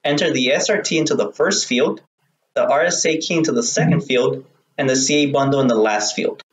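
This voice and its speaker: A man's voice: mid-range voice, brisk, far from the mic. A man in his thirties giving a scripted step-by-step tutorial as a technical support expert, recorded in an echoey room away from the microphone. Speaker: web hosting support expert. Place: small indoor room.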